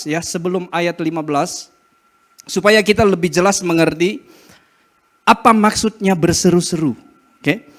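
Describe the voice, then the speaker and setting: A man preaching a sermon in church, asking the congregation questions, laughing often and acting out cries to God. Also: sits high. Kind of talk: interactive sermon. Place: church hall.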